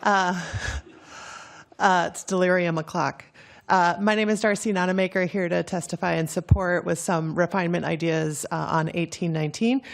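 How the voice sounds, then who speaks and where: Midwestern woman witness, deep fry-tinged voice, relaxed testimony. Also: moderate pace. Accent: Midwestern American. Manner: joking, casual, with fillers. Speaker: testifier at a hearing. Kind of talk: public testimony.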